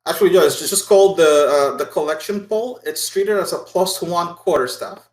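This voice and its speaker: A man narrating a tabletop game as game master, explaining things in a halting way. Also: a little high, a little mellow, echoey room, rough recording.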